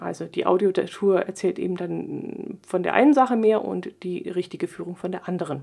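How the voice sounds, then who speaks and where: A woman talks at a fairly slow pace, at medium pitch, with vocal fry. Her tone is dark and mellow. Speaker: podcaster. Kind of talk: casual monologue, personal storytelling. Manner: hesitant, many filler sounds.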